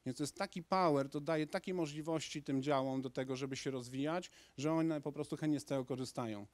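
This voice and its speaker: Energetic man lecturing into a handheld mic. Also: fairly high pitch, fairly quick, no room sound. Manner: energetic, gesturing, with frequent restarts. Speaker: conference speaker. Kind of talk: lecture presentation to an audience. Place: large lecture hall. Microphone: handheld microphone.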